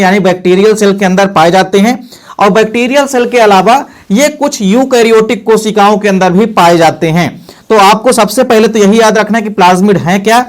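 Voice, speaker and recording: High-voiced teacher quizzing himself. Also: male voice. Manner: repeats points, asks and answers own questions. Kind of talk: board lesson.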